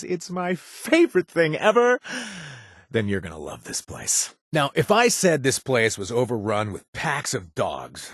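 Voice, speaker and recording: An actor playing a wry, chatty wasteland informant in a video game, husky, with a hesitant, rambling delivery and joking asides. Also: male voice, medium pitch, fairly bright tone, no echo, studio quality, full character voice. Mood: playful, animated. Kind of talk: video game voice acting, casual spoken tips.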